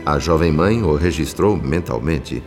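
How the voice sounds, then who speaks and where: Radio drama narrator: formal, solemn storyteller, deep register, reverberant with soft music behind. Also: male voice, expressive, measured pace. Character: solemn male spirit narrator. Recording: long reverb, music underneath.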